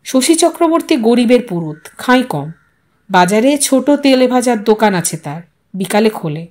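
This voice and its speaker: A woman storyteller reading literary fiction aloud as expressive, scripted audiostory narration. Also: fairly high pitch, normal speed.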